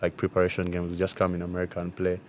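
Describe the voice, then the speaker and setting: Deep-voiced young man, flat delivery. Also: very fast, slight background noise. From South Sudan. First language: Dinka. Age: young adult. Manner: relaxed, many "like" fillers. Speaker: college basketball player, guest. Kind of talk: casual interview answers.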